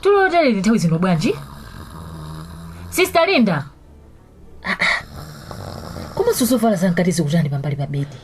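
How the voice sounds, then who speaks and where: A woman's voice: medium pitch, very animated, a little fast, long pauses, a little hiss or hum, natural voice. A Malawian actress playing a nosy, exasperated woman calling out insistently to rouse a sleeper in a radio drama. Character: scolding, nosy woman rousing a heavy sleeper. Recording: music behind the voice.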